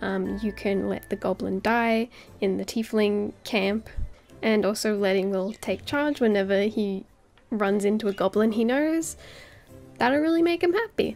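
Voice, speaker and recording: With music playing in the background, a woman speaks at a fairly slow pace in a medium pitch with ordinary pitch variation. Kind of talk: game guide narration. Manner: awkward, halting.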